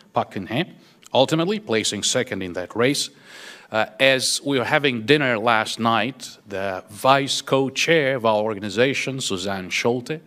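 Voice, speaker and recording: Male event host, fairly low voice, delivering a formal speaker introduction at a conference. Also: fairly bright tone.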